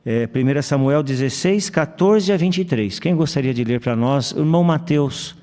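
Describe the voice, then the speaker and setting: Homem conduzindo estudo bíblico, com eco de salão. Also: male voice, fairly high pitch, dark tone. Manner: hesitant, with fillers and pauses. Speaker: study conductor. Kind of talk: leading a congregation Bible study. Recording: hall reverb.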